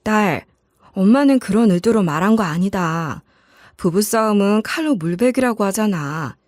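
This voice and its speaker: A woman's voice: mid-range voice, animated, moderate pace, a little mellow, no echo, clean studio sound, lightly acted. A woman narrator voicing an older mother who admonishes her child in a matter-of-fact way. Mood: placating. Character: older mother, plain-spoken, placating and chiding.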